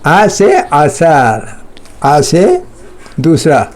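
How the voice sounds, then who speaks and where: A man teaches a language class. His voice sits a little high, and he repeats each word slowly, then asks students to say it back and corrects them. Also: expressive, darkish tone. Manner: drills words by slow repetition. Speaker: Persian teacher.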